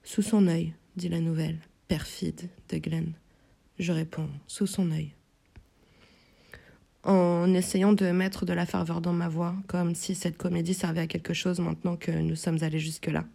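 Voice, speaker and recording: Woman, audiobook narrator, first-person novel reading, measured, tense, gravelly, dark tone. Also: lowish voice, flat delivery.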